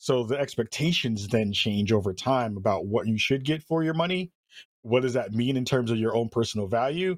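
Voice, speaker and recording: A man with a normal speaking voice, medium pitch, lively intonation, a fairly quick pace and very even loudness. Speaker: gaming podcaster. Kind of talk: casual chat.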